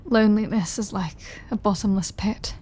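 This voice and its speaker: A woman playing a lonely, tender immortal vampire lover in an intimate audio roleplay, her voice breathy and often half-whispered, with an emotional delivery. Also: medium pitch, fairly even intonation, natural voice. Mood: melancholy, tender. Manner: slow, hushed, emotional delivery with long pauses.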